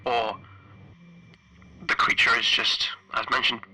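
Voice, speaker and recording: A man playing an anxious, isolated spaceship engineer recording log entries, halting and stammering, his phrases trailing off breathily. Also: medium pitch, little pitch movement, pushed and bright, breathy edge, full character voice, poor audio. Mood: nervous, reflective. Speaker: player of a solo tabletop horror game. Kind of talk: in-character audio log, dramatic monologue.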